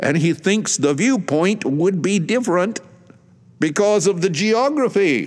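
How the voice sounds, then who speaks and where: A man speaks in a high pitch at a fairly slow pace. His intonation is lively. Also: very even loudness. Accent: American. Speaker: radio DJ and podcaster. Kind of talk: solo commentary monologue.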